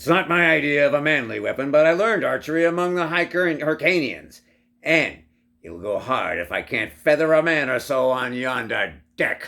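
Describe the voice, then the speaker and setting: A man uses a put-on, growling character voice, raised and projected at fairly high pitch with ordinary pitch variation. He goes at a moderate pace on a very clean recording with a silent background. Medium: read story. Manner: growling, rough.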